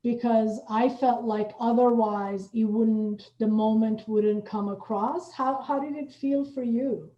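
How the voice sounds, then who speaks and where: A woman hosting a panel conversation as a radio play director, putting thoughtful, measured questions. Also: on the high side, fairly even intonation. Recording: roomy, distant, dull video-call audio.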